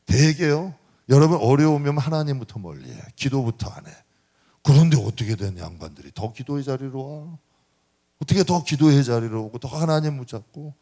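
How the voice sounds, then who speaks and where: A man's voice: medium pitch, moderate pace. Middle-aged guy pastor preaching, chatty, voice jumps all over, keeps asking the crowd questions. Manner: lively, conversational preaching with rhetorical questions to the congregation. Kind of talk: sermon. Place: church sanctuary.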